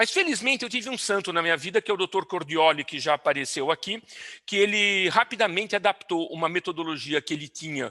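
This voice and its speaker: Speech comes at a fairly quick pace with a bright, sharp tone and ordinary pitch variation. The sound is dry and close with no echo, over a quiet background. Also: man. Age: 60s. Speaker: physician. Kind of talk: presentation.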